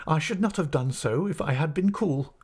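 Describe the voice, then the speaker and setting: A man's voice: fairly high pitch, normal speed, darkish tone, breathy edge, pitched above the performer's own voice. A man voicing a humble, aggrieved assistant teacher in an audiobook, speaking formally and with restraint. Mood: restrained, resigned. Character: aggrieved, dignified, humble male assistant schoolteacher. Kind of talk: audiobook character acting.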